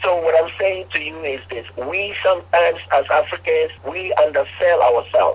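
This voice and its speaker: A man talks at a moderate pace with hardly any pauses. Noticeable background noise runs underneath. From Ghana. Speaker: motivational speaker. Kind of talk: interview.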